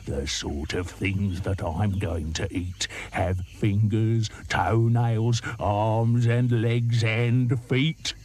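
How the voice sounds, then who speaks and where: A man voicing an enormous, greedy, boastful male crocodile in a slow, sly, gloating drawl. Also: lowish voice, fairly even intonation, a little mellow, dry recording. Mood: menacing.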